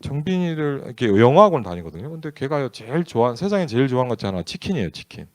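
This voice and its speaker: A man's voice: medium pitch, very animated, racing, a little mellow, no echo. A male pastor preaching in a candid, conversational storytelling way, acting out bits of dialogue as he tells a family story. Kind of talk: storytelling sermon.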